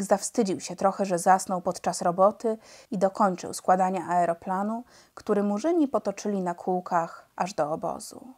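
A woman reading a children's novel aloud, telling the story in a lively, expressive way. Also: mid-range voice. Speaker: audiobook narrator.

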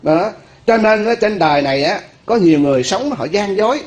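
Folksy Southern Vietnamese monk preaching. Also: male voice, high voice, animated, fairly quick. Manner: folksy, asks the listeners questions, chuckles. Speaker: Buddhist monk. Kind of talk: sermon.

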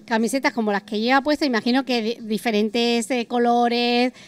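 High-voiced woman interviewer in a restaurant. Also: steady tone, normal speed. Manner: chatty, prompting questions. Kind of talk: lively event interview. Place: indoors in a busy restaurant. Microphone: handheld mic.

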